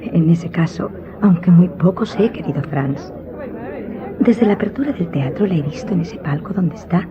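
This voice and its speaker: An actress playing an elegant, composed countess in a radio drama, speaking in a formal, measured way. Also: female voice, lowish voice, lightly acted. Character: elegant Venetian countess, beautiful and composed society lady. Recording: dull lo-fi sound, crowd murmur behind.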